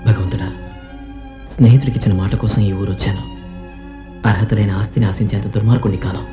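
An earnest, principled young man, played by an actor who speaks sincerely and quickly. His mid-pitched voice is on a dull film soundtrack with faint music. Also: fairly even intonation, natural voice.

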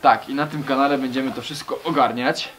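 A man's voice: medium pitch, steady tone, fairly quick, fairly bright tone, slight background noise. A young man talking casually to camera in a small garage, rambling and slangy, often calling his viewers buddies. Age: young adult. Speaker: vlogger. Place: small garage with brick walls.

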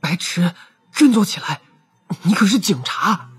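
A man's voice: sits high, animated, a little slow, fairly bright tone, soft background music, pitched above the performer's own voice. A man voicing a timid, naive young male police officer in an audiobook, with a hesitant, stammering delivery. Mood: self-encouraging.

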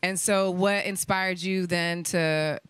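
Chatty lady interviewer backstage, bright voice, handheld mic, laughs a lot. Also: fairly low pitch, fairly even intonation, slow pace, clean tone, no echo, studio quality. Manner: laughs often, chatty and hesitant. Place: backstage at a music venue. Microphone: handheld microphone.

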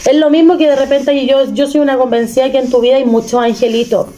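Chilean woman telling a story, mellow. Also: high-pitched, fast. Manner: animated, emotional retelling with many restarts. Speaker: vlogger. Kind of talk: casual storytelling.

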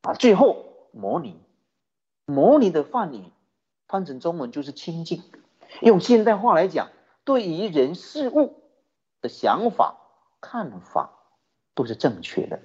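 Buddhist teacher, male, animated sermon delivery, breathy husky tone, muffled low-fi recording. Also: a little slow, pauses often. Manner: lively storytelling, rhetorical questions, chuckling. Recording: dull lo-fi recording.

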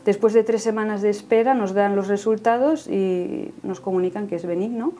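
Woman in her 30s sharing her testimony, mellow warm tone, keeps tagging "no?" onto her sentences. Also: medium pitch, normal speed, soft background music. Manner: earnest, ends phrases with a questioning "no?". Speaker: guest giving a faith testimony. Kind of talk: personal testimony in conversation.

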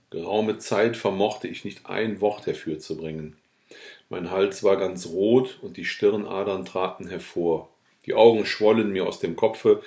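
A man with a low voice reads a literary novel as a dramatic audiobook. He swings from hushed murmurs to loud, theatrical bursts, and his voice rings in a roomy space. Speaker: audiobook reader. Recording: roomy echo.

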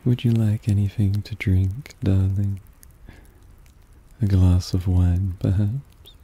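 Speaking slowly in a low, dark, slightly breathy voice with little pitch movement, a man fully inhabits the role of a suave vampire who possessively dotes on and teases his pet. He purrs with condescending affection, amused and doting, in an ASMR roleplay addressed to the listener, while rain ambience fills the background.

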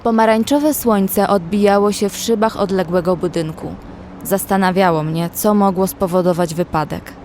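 An actress playing a young woman who survives an apocalypse, narrating in a measured, literary way as an anxious observer. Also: medium pitch, steady tone, a little mellow, slight background noise, natural voice. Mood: measured, uneasy. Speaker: narrator and actress in audio drama. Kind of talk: scripted first-person horror story narration. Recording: music under the voice.

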